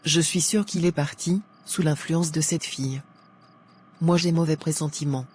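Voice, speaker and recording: A man's voice: a little high, fairly even intonation, moderate pace, husky. A man voicing a worried, indignant Christian mother and pastor's wife in a cartoon. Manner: fretful, indignant. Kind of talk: French-language Christian cartoon acting.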